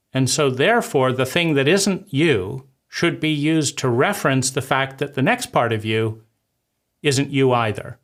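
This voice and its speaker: A man of middle pitch talks through his critique of a book in loose, unscripted commentary. He argues point by point, restarting sentences and tagging them with a rhetorical "right?". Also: a bit bright. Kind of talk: casual spoken commentary.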